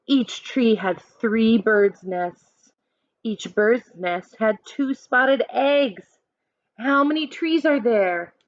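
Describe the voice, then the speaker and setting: In a dull, echoey room recording, a woman reads aloud to children as a teacher would. Her pitch swings up and down in a lively way as she poses questions and coaches the listeners. She takes her time, keeping an unhurried pace. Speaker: teacher reading a picture book aloud to children. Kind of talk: animated children's read-aloud with counting questions.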